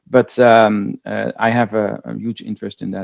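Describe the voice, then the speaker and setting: A man speaks with a Dutch accent. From Netherlands. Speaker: AI consultant. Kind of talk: business presentation. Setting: Zoom webinar. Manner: frequent filler hesitations.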